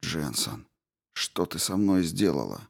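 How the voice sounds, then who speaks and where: A man's voice: deep voice, big pitch swings, takes it slowly, gravelly, breathy edge, voice pushed down, exaggerated voice. A man voicing an injured male astrophysicist who groans and screams in pain. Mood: groggy.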